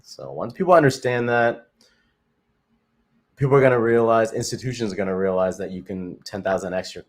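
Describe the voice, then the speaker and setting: A man's voice: fairly low pitch, fairly quick. A young Canadian man talking casually on a livestream, answering viewer comments in a rambling, upbeat way with lots of fillers and repeated phrases. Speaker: crypto livestream host.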